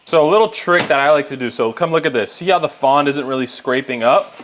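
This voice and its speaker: A man's voice: mid-range voice, lively intonation, fast talker, a bit bright, a little hiss or hum. Casual, chatty male home cook. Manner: chatty, instructive, talking to viewers. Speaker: home cook presenting a recipe. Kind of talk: casual cooking demonstration.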